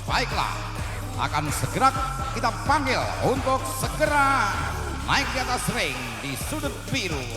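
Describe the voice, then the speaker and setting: A man's voice: very high-pitched, sing-song, measured pace. A man with an Indonesian accent working as a ring announcer, stretching and belting out fighters' names in a theatrical lucha libre style. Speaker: ring announcer at a combat sports event. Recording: echoey hall PA, long reverb, music behind.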